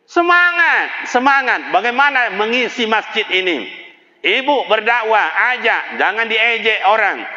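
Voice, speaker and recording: A man preaching a sermon in a mosque with a Kuantan Singingi Malay accent, dramatic and animated, telling stories in a folksy way. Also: sits high, unhurried. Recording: echoey mosque hall, dull PA sound.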